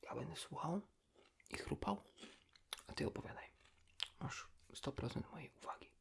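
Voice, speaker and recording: Man whispering softly in ASMR. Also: mid-range voice, expressive. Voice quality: soft breathy whisper. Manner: hushed, intimate, unhurried, addressing the listener as a friend. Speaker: ASMR creator, host. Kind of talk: whispered ASMR role-play chat with a friend.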